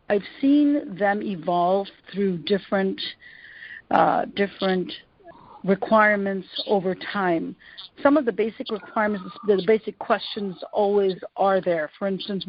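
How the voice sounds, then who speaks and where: A middle-aged woman speaking as an attorney advising callers, in a halting, measured way, often rephrasing herself. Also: medium pitch. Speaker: immigration attorney answering callers. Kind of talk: advisory question-and-answer on a conference call. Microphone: phone conference line. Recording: dull, lo-fi conference call line.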